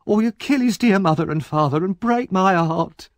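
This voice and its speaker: Man putting on a dramatic young woman, wailing way up high, all over the place. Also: expressive, moderate pace, no room sound, studio quality. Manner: theatrical, wailing.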